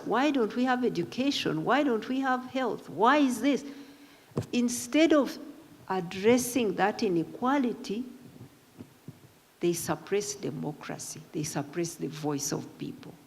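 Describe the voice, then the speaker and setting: A woman with an African accent giving a public talk, explaining emphatically and repeating phrases for stress. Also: on the high side. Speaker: panel speaker. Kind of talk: public talk answering an audience question. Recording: reverberant hall.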